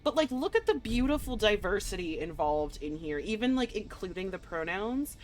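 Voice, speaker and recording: A woman streaming a game and chatting casually to viewers in an excitable, gushing, playful and slangy way. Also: medium pitch, normal speed. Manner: slangy, swearing. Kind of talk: casual livestream chat to viewers. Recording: music behind the voice. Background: music.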